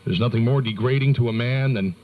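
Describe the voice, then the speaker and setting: An American man reads news on a morning rock radio show. His mid-pitched voice slips between deadpan reporting and joking asides. The sound is a narrow-band nineties radio aircheck. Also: fairly quick. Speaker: morning radio host reading news and sports. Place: radio studio.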